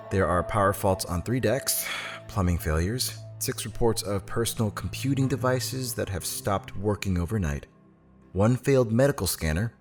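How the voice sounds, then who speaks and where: Guy acting as low-voiced spaceship chief engineer, formal and harried, giving a log, faint music under it, sci-fi audio drama. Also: lightly acted.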